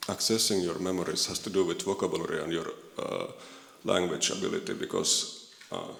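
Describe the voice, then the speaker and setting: Swedish-native man, very low voice, halting question, echoey hall. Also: big pitch swings, vocal fry, fairly bright tone. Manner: hesitant, searching for words, many fillers. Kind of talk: panel discussion.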